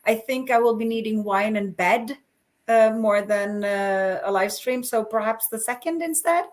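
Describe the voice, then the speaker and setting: A woman's voice: a little high, measured pace. A woman co-hosting a livestream over a video call, chatting casually with frequent fillers and easy laughter. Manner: chatty, laughs easily, hesitant with many fillers. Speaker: co-host of a livestream.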